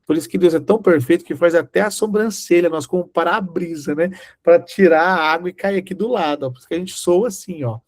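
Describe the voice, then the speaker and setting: Animated man telling a testimony. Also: sits high, quick pace. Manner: animated storytelling, acting out dialogue. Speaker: Bible teacher. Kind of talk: sermon with personal testimony.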